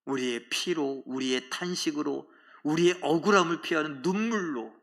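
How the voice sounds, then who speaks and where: A male pastor preaching a sermon in a church, acting out quoted taunts with loud outbursts and dropping to a hush for emphasis. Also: fairly high pitch, moderate pace, vocal fry. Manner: dramatic, acts out quoted taunts and cries with sudden loud rises; drops to a hushed, soft voice for emphasis. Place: church sanctuary.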